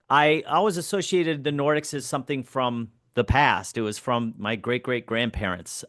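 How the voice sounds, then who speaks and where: A man's voice: medium pitch, fairly bright tone, clear, resonant tone, dry recording. Earnest man from Wisconsin, dry sound. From Wisconsin, United States. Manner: earnest, reflective. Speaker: guest, professor. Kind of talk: interview.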